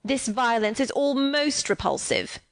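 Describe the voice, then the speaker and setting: A woman's voice: on the high side, lively intonation, measured pace, pitched above the performer's own voice. A woman reading an audiobook, voicing a cold, stern aunt who gives clipped, peremptory commands.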